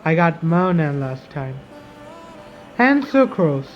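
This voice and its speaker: A woman streamer giving casual gameplay commentary, halting as she thinks aloud. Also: deep voice, very animated, highs cut off. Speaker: gaming streamer. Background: faint game music.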